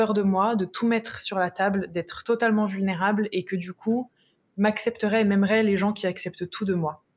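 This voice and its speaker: The voice is somewhat breathy, with fairly even intonation at a moderate pace. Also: woman. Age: 30s. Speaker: life coach and entrepreneur. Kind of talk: interview conversation.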